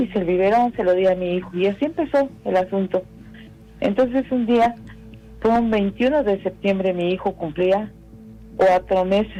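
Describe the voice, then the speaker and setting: Music in the background behind a woman's moderately paced voice with ordinary pitch variation. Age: 60s. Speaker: caller. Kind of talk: personal testimony.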